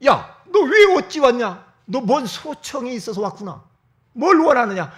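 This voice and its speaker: A blustering, lovestruck old king, as a male preacher puts him on, who bursts out loud and high above the man's usual voice. He sounds bright and forceful, swinging wildly up and down as he bellows. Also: very animated, measured pace, full character voice. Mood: doting. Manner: shouting, bursting out in exclamations.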